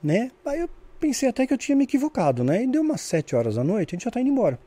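A man tells a story at a quick clip, his voice dark and mellow. He talks in a lively way and acts out the voices he quotes, often checking in with "né?". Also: extremely high pitch. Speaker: guest storyteller. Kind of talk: casual storytelling.

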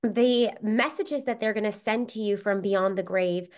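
A woman's voice: mid-range voice, normal speed, clean tone. A woman with a cold and a stuffed-up voice, explaining spiritual ideas in a casual, conversational way, often checking in with "right?". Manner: conversational, frequent "right?" and "you know" fillers. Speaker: spiritual teacher.

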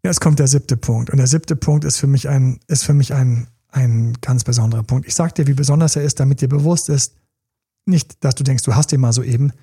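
A man's voice: medium pitch, fairly quick, dark tone, breathy edge, no echo, studio quality. A man giving relationship coaching in a podcast monologue, talking straight to his listeners in a direct, informal way.

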